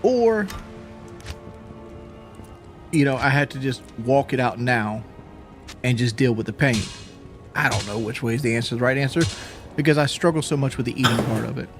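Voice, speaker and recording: A man's voice: mid-range voice, lively intonation, moderate pace, long pauses, music in the background. Out-of-breath man streaming casually. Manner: rambling, repeats words, swears casually. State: out of breath after a workout. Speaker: live streamer. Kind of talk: casual live-stream chat.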